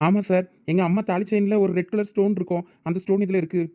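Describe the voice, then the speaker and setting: A man plays a polite, dutiful young son in a cartoon. His voice is high for a man and races along respectfully in a Thoothukudi Tamil accent. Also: flat delivery, quick pace, phone-quality sound, lightly acted. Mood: polite, earnest. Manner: respectful, explanatory. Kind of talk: cartoon village drama dialogue.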